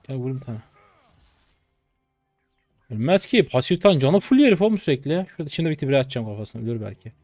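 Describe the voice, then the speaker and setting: A man in his twenties narrates his gameplay in a casual, excitable stream. His pitch swings widely as he jumps into high-pitched outbursts of trash talk. The voice sits close and dry on the mic. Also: fast talker, pauses often, no echo, faint music behind. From Turkey. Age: 20s. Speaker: game streamer. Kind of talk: live gameplay commentary.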